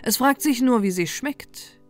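A woman's voice: fairly high pitch, lively intonation, a little slow, faint music behind. A cheerful young prince, as a woman reads him. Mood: wondering. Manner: cheerful, wondering exclamations. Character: young king's son, cheerful and curious.

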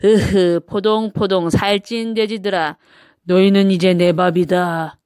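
A woman's voice: mid-range voice, steady tone, unhurried, darkish tone, clean tone, no room sound, clean studio sound, close to an everyday voice. A woman voicing a hungry, menacing big bad wolf in a children's storybook, gloating and drawing out the threats. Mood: gloating menace. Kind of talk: children's storybook read-aloud.

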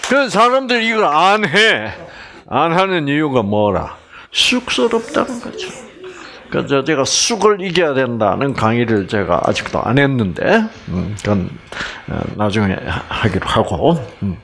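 A man's voice: mid-range voice, very animated, normal speed, fairly bright tone, a little hiss or hum. A middle-aged man giving a health lecture, asking his audience questions and joking with regional sayings.

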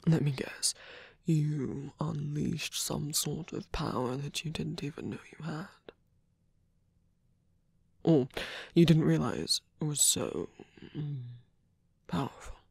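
A man playing a tired, wounded villain softening toward a lover in an intimate ASMR roleplay, breathy and hesitant, often half-whispering close to the mic. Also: on the high side, no room sound, heavily acted. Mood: curious, probing. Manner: hesitant, halting, with long pauses and sighs. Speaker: ASMR voice actor. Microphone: close microphone, dry.

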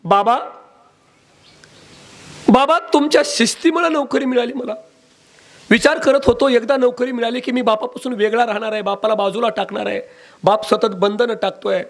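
Man doing a young son, emotional and pleading, voice raised high. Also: fairly even intonation, normal speed, long pauses. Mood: grateful.

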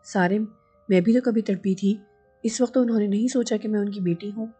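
A woman's voice: medium pitch, fairly even intonation, fairly quick, warm tone, slightly rough, soft background music, natural voice. A woman voicing a young wife, reading her lines in a teasing, emotional way. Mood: tender. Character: young wife, playful then hurt.

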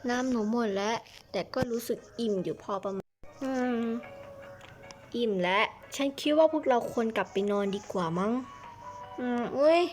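A woman's voice: on the high side, expressive, moderate pace, a little mellow, soft background music. A woman chatting playfully through a game role-play, hopping between little characters.

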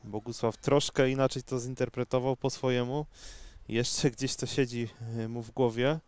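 Male tennis commentator: smooth, clean tone, unhurried and conversational, pausing as he calls the match. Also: medium pitch, steady tone, a little mellow.

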